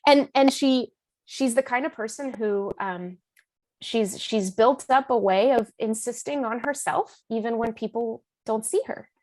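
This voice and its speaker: A woman author being interviewed, speaking in an animated, emphatic and informal storytelling way. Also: a little high, no room sound, rough recording. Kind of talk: conversational storytelling in a public talk.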